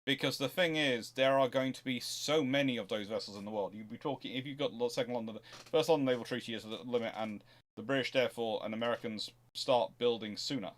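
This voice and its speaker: A man's voice: medium pitch, quick pace. A man hosting an informal expert question-and-answer talk, discursive and often breaking off to rephrase his sentences as he thinks aloud. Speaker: host answering viewers' history questions.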